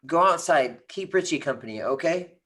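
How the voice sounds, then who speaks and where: A performer plays an earnest teenage boy who quietly leads his friends. He speaks hesitantly at a medium pitch and catches on words with a slight stammer, as in a script read. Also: lively intonation, normal speed. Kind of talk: script read at a virtual table read.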